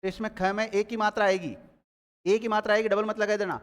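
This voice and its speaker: A man's voice: high-pitched, level tone, brisk, clean tone, in a large hall. A man teaching a grammar class, quizzing his students and repeating key words as they take notes.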